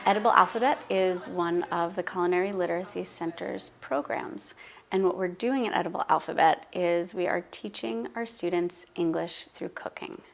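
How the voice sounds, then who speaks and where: A woman's voice: lowish voice, normal speed, vocal fry. A woman coordinating a cooking-based English program, speaking earnestly about her students. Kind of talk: interview.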